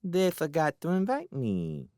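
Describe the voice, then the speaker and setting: A man's voice: a little high, wildly swooping pitch, unhurried, dark tone, no room sound, studio quality, voice pushed up, heavily acted. A man voicing a coy, wheedling little boy with a sweet lisp in an audiobook. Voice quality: lisping. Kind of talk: audiobook character voice.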